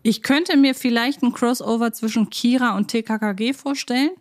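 A woman's voice: a little high, normal speed. A woman hosting a podcast in a casual, conversational chat style. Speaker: podcast host.

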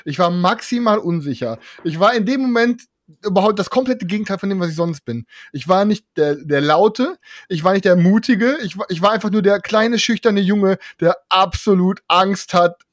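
A young man in casual chat about a board game, animated and defensive, swearing often. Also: high-pitched, moderate pace, no echo, clean studio sound. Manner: animated, defensive, swears a lot, repeats "pass auf". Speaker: board game podcast co-host.

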